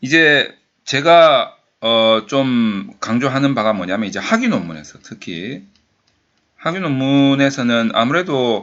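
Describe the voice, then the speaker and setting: A man speaks at a medium pitch. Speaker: thesis writing consultant. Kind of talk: lecture. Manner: conversational, many fillers.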